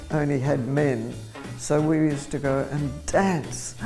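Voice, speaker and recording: A woman speaks with a very deep, low pitch. Music plays in the background. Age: 80s+. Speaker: war veteran. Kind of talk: interview answer. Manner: warm, engaging.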